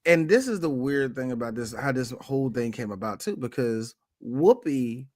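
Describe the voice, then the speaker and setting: A man co-hosting a podcast in casual chat, animated and joking, swearing freely. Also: mid-range voice, moderate pace, dry recording, studio quality. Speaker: podcast co-host.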